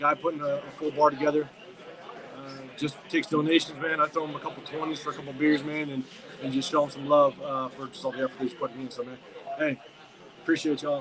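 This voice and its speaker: A man with an American accent delivers his words at a very fast pace in a fairly high, monotone, flat voice against noticeable background noise. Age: 40s. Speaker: sports YouTuber. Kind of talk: live stream commentary. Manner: casual, filler-heavy.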